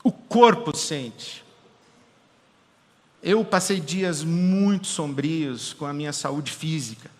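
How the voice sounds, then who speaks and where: A man preaching a sermon as pastor, impassioned, building to loud repeated questions. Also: on the high side, slow. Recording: long reverb of a large hall.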